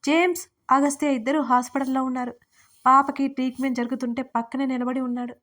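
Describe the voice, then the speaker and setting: A woman tells a dramatic audio story in a high voice. She reads the characters' dialogue without changing her voice much and keeps an even storytelling delivery. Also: fast. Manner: reads all characters' lines with little change of voice. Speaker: narrator. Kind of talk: storytelling narration.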